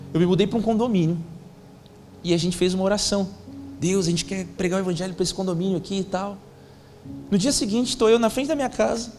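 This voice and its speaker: A high-voiced man. He tells stories with animation and slips into casual slang while voicing each side of a conversation. Soft music plays faintly behind him. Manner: animated storyteller, acts out dialogue, slangy. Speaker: pastor. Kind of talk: sermon storytelling.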